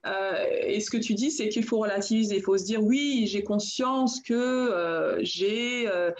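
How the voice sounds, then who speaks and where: A French woman hosting a live chat show, talking in a lively, encouraging way and mixing in English phrases. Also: mid-range voice, measured pace, a little hiss or hum. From France. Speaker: host.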